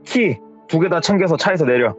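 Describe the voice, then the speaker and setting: A shouting, short-fused middle-aged boss, as a male storyteller puts him on for a horror radio tale. His voice jumps high and harsh as he barks orders. The sound is slightly dull. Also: animated, moderate pace, faint music behind, close to an everyday voice. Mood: commanding.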